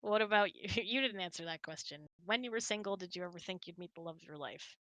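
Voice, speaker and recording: A woman with a bright, forward voice chats casually as a host. She is giggly and animated when telling stories, and the sound is close and dry. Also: on the low side, fast, no room sound, poor audio. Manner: giggly, chatty, animated storytelling. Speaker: host of a couple's online hangout. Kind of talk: casual chat, answering questions and telling anecdotes.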